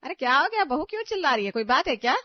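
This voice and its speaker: A woman's voice: fairly high pitch, animated, brisk, no echo, close to an everyday voice. Woman voicing a flustered, put-upon mother-in-law. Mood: scolding. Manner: pleading, exasperated scolding. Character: aging, long-suffering mother-in-law, flustered and complaining. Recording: dry, slightly dull audio.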